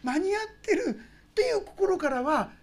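A woman pastor preaching a sermon, telling the story with lively swings between loud exclamations and hushed asides. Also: extremely high pitch, normal speed.

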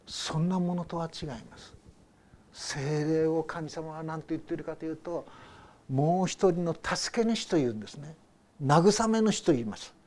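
Older guy pastor giving a sermon, kinda high voice, chatty storytelling, asks the room questions. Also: darkish tone. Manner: conversational storytelling with rhetorical questions.

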